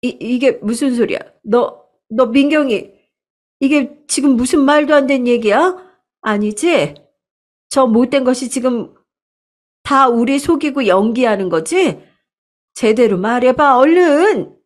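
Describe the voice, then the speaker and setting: A haughty middle-aged aunt, all sneers and scolding, her voice sitting slightly high. She talks down at everyone around her in a spoken radio story, as a woman narrator puts her on. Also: expressive, measured pace, darkish tone. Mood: panicked. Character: snobbish scornful middle-aged aunt, shrill.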